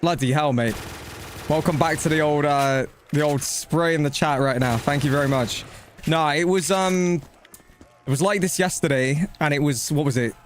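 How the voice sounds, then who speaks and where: A man's voice: on the high side, moderate pace, slight background noise. A man giving casual live gameplay commentary and chatting to viewers, blunt, slangy and matey, with some swearing. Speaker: video game streamer.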